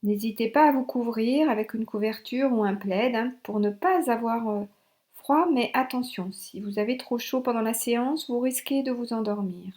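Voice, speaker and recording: Female meditation guide, fairly high register, warm relaxed timbre, short spaced-out instructions. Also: normal speed. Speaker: yoga nidra instructor.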